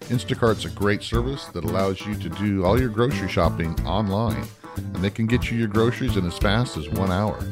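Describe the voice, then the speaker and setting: A man's voice: lowish voice, fairly quick, over music. A middle-aged man from upstate New York hosting a cooking podcast, talking in an easygoing, rambling way with fillers. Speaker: podcast host. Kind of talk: casual podcast chat.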